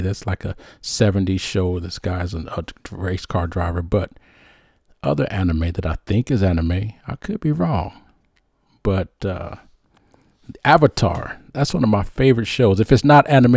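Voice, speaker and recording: Male host, low voice, upbeat casual chat, dry close sound. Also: creaky, a little mellow, dry recording. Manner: upbeat, many restarts and fillers. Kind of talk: casual show chat, reading viewer questions.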